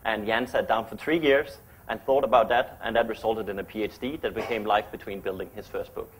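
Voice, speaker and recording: A man whose first language is Danish, giving a chatty, fast-paced public lecture in English as an architect. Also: on the low side, steady tone, a little hiss or hum, low-quality recording. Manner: fast-talking, chatty, self-deprecating.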